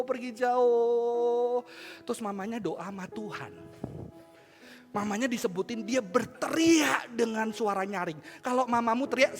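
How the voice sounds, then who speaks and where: A man preaching a lively, playful sermon to young people, coaxing and shouting along with the crowd. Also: very high-pitched. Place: large church hall. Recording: church hall reverb with faint music.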